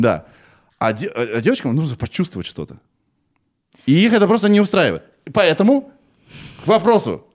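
A man's high-pitched, animated voice with very wide pitch swings, a moderate pace, and long, frequent pauses. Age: 30s. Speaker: podcast host. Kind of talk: casual interview chat. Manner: informal, joking, animated.

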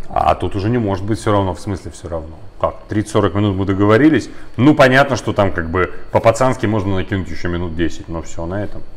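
The man talks at a very fast pace. His pitch is fairly low, with ordinary pitch variation. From Surgut, Russia. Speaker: radio host. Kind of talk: casual chat. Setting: studio.

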